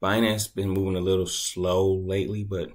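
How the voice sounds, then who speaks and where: A man casually talking through a screen-recorded tutorial at his computer, laid-back and thinking out loud as he goes. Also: sits low, level tone, normal speed. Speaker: crypto tutorial creator.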